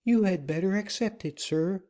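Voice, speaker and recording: A man's voice: sits high, moderate pace, mellow, voice pushed up, natural voice. A man voicing an anxious young woman in a storybook reading, pleading and breathless.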